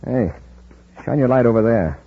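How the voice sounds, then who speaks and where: A man's voice: medium pitch, expressive, close to an everyday voice. A man playing a bold, commanding space patrol commander in a 1950s radio drama, on a dull old transcription. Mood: steady. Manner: commanding, brisk.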